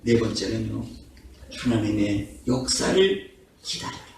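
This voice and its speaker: A man's voice: on the low side, big pitch swings, measured pace, creaky, a little mellow. A man preaching a revival sermon as pastor, with passionate rhetorical questions. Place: prayer house worship hall. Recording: echoey hall from far off, faint noise.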